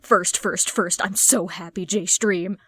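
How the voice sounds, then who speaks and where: Woman reading as excitable, slangy livestream chat fans. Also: lowish voice, a little slow, slightly rough, no room sound. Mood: excited. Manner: gushing, slangy. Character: excitable online fans typing in a stream chat.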